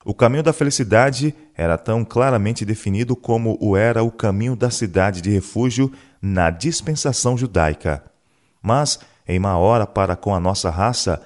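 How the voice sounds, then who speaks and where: A man reading a devotional book aloud in a measured, solemn way. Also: on the low side, a little mellow. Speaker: narrator.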